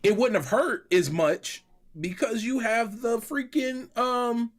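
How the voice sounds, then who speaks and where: A man chatting casually as a panelist on a gaming podcast, excitable and slangy, often wandering off on tangents. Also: very high-pitched, takes it slowly. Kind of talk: casual animated group chat.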